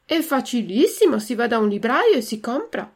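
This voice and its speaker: A woman's voice: a little high, big pitch swings, moderate pace, a little mellow, slightly rough. A woman voicing a cheerful, eager wooden puppet boy in a read-aloud storybook.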